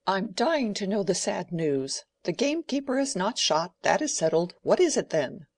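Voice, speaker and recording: A reader voicing a sharp, impatient gentlewoman who is pressing to hear gossip in an audiobook. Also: mid-range voice, big pitch swings, moderate pace, no room sound, recorded from a distance, voice pushed up. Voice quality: eager, pressing. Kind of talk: audiobook character voice.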